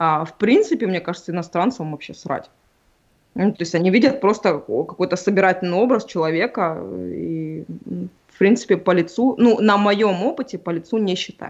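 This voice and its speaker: With a normal speaking voice, a woman talks at a moderate pace and medium pitch, showing ordinary pitch variation and big swings in loudness over a quiet background. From Kazakhstan, Karaganda. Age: 30s. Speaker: writer and journalist. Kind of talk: casual chat.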